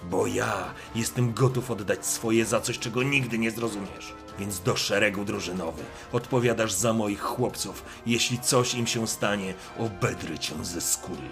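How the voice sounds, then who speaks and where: A man's voice: lowish voice, measured pace, gravelly, few pauses, music in the background. A man voicing a fierce young male squad commander who bellows orders and swears coarsely. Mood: cold threat.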